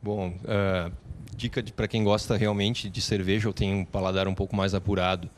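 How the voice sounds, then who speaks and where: A man's voice: fairly low pitch, level tone, fairly quick, a little hiss or hum. A man, explaining home brewing step by step as a studio guest. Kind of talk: casual chat.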